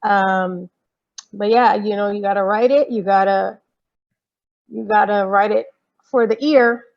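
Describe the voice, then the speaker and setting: A woman's voice: medium pitch, steady tone, a little slow, vocal fry, lo-fi sound. A woman giving casual, instructive advice as a creator on a panel, repeating phrases for emphasis. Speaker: audio drama creator on a panel.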